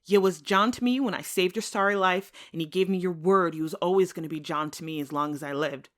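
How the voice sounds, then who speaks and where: A woman voicing a wounded, defiant man in a dramatic novel reading, building to loud, insistent repetition. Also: on the low side, brisk, natural voice. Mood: defiant, anguished. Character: wounded man, defiant and furious, in a read-aloud novel scene.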